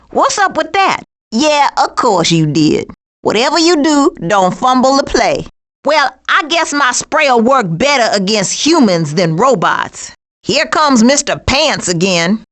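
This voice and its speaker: A woman's voice: high voice, a bit bright, exaggerated voice. A woman voicing a sassy, streetwise female skunk with an American accent and slangy, emphatic delivery for a cartoon video game. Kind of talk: animated video game voice lines.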